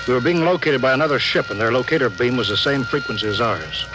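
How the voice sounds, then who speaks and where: A man's voice: medium pitch, quick pace, music in the background, lightly acted. An actor playing a stern, cautious male starship captain in a 1950s radio drama, giving clipped commanding orders.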